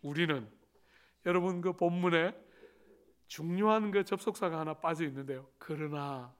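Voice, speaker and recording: A man's voice: on the high side, moderate pace, clean tone. A middle-aged man preaching a sermon as a pastor, telling stories with acted-out quotes and rising emphasis.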